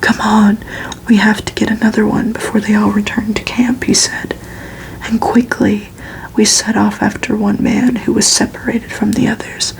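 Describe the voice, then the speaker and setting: A woman softly reading a novel aloud in a breathy, unvoiced ASMR whisper. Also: medium pitch, rough recording. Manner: slow, soft, unhurried delivery. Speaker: ASMR reader.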